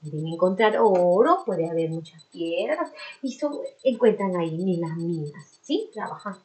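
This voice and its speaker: A woman teaching a remote lesson to four-year-olds, speaking slowly in a sing-song way and chanting syllables for the children. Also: lowish voice, animated, darkish tone. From Peru. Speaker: preschool teacher.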